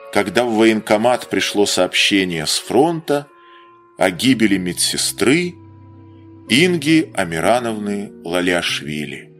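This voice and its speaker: Guy reading a story aloud, slow and dramatic, voice goes up and down a lot. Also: on the low side, fairly bright tone. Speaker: narrator. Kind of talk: literary audiobook narration.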